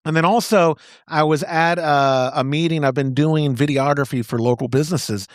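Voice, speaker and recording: His voice is a little high and moderately paced, captured studio-quality without echo. He co-hosts a podcast, chatting and joking at his own expense with silly sung bits before reading a sponsor ad.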